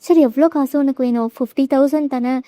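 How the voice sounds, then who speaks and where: A woman's voice: high voice, brisk, warm tone, no room sound, clean studio sound, natural voice. A woman voicing an earnest, alarmed young man protecting his younger brother in a retold drama.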